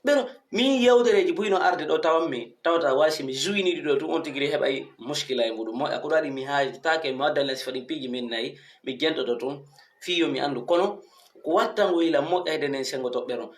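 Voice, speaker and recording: A fairly high-voiced man talks informally to his followers. He is emphatic, throwing out rhetorical questions, and the room adds a strong echo. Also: a little fast. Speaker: online commentator addressing followers. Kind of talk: informal commentary monologue to followers. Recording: echoey untreated room.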